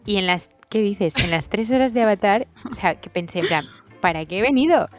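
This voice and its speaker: A woman's voice: mid-range voice, lively intonation, soft background music. Chatty woman from telling stories. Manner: chatty, rambling storyteller with quick bursts. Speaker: podcast co-host. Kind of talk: casual chat.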